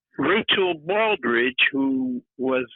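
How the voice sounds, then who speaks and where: A man with an American accent at a very slow pace. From Buffalo, New York. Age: 80s+. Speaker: retired judge and lawyer. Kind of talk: interview, life story. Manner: halting.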